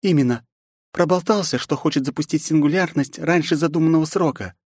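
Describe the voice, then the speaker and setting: A man's voice: a little high, a little fast, darkish tone, husky, no echo, clean studio sound, pitched above the performer's own voice. A man voicing a fierce, defiant young princess in an audiobook, raising his voice to play her. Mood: urgent. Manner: mocking, defiant.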